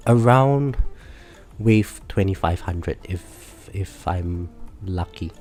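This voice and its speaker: A man's voice: sits low, slow. A man with a cold and a stuffed-up nose, sounding nasal as he chats casually on a live game stream, hesitating and correcting himself often. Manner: relaxed, hesitant with many fillers and self-corrections. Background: faint background music.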